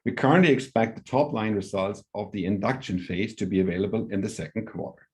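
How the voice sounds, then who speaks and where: A man giving a prepared company update on an earnings call as an executive, formal and measured in his phrasing. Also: lowish voice.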